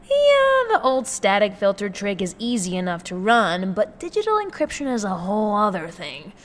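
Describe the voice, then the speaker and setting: A woman playing a brisk, sardonic heist planner who mutters through checklists to herself in an audio drama. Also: medium pitch, wildly swooping pitch. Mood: wry, wary. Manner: muttering checklist, sarcastic asides. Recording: reverberant room, clear background noise.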